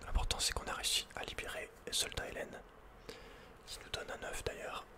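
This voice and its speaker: A man whispering playful, casual ASMR commentary over a video game in a breathy, unvoiced voice, close to the microphone. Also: a little fast.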